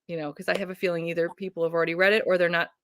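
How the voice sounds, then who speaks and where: A woman's voice: lowish voice, flat delivery, very fast, clear, resonant tone. A woman hosting a casual book chat over a video call, upbeat and chatty, laughing often. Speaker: booktube host.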